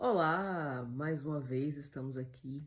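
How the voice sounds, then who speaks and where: Intonation stays fairly even. The voice comes across somewhat breathy. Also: woman. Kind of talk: devotional talk to camera.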